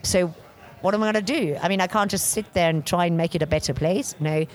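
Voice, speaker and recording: Loud, animated woman from Bavaria, forties, slightly low voice, interview guest. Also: fast talker. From Germany, Bavaria. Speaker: interview guest, expedition record keeper. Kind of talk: casual interview talk.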